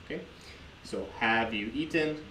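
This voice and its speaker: Homem americano, professor de inglês, explica gramática com paciência, sala com eco, leve ruído. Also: male voice, medium pitch, normal speed, pushed and bright. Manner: patient, repeats key points with many "okay?" checks. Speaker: English teacher. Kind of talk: explaining grammar at a board. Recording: echoey room with faint noise.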